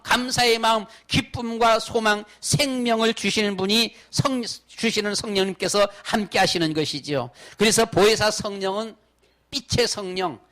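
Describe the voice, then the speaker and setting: A man's voice: very high voice, bright, forceful tone. A middle-aged male pastor giving a sermon in an emphatic, conversational style, with lots of repetition and lists.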